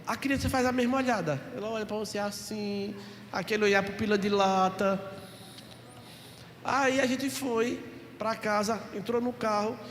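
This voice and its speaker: A man's voice: sits high, steady tone, moderate pace, fairly bright tone. A man, a pastor preaching a sermon and telling stories with acted-out dialogue and jokes. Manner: storytelling, acts out dialogue, jokes. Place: church. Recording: echoey church hall, faint noise.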